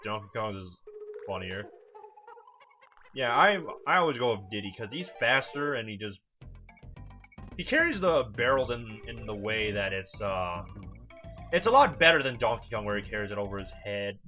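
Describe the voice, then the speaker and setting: Over video game music, a man with a lowish, sing-song voice chats his way through a let's play at a moderate pace, pausing often. His commentary is loose, rambling and informal, with swearing, captured on a dull lo-fi microphone.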